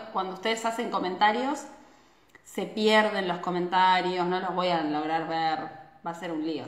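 Argentine woman chatting in echoey room. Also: mid-range voice. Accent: Argentine Spanish. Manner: chatty, frequent tag questions, animated hand gestures. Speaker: Ayurveda doctor hosting a live stream. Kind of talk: casual live-stream talk to viewers. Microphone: phone camera at arm's length.

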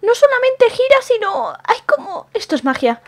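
Woman playing a skittish, stuttering young woman with a very high voice, improvised game roleplay. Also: very animated, normal speed. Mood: jittery, flustered. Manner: stammering, repeats words when startled. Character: jumpy young woman, easily frightened and fussy. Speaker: roleplay channel host.

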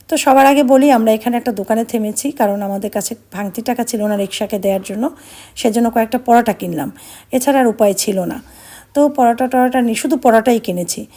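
A middle-aged woman from Bangladesh narrating her vlog in a soft, subdued, reflective way, sounding sad and tired. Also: on the high side. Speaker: vlogger.

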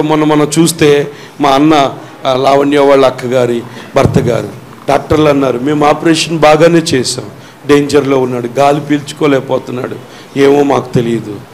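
A middle-aged man with a Telugu accent, a pastor preaching a sermon, dropping to quick low asides and rising to loud shouted declarations. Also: vocal fry, a little hiss or hum.

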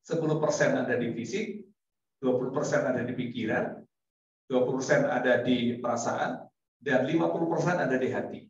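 A male preacher speaks to his congregation in a relaxed, chatty way. He laughs often and acts out conversations. The recording comes from far off in a heavily echoing hall and sounds dull. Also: medium pitch, normal speed. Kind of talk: casual sermon to a congregation. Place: mosque hall.

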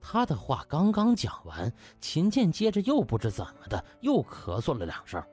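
A man tells a story as an audiobook narrator with a very animated, swinging pitch. His voice is husky and the delivery is dramatic and scripted. Music plays softly behind him. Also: moderate pace.

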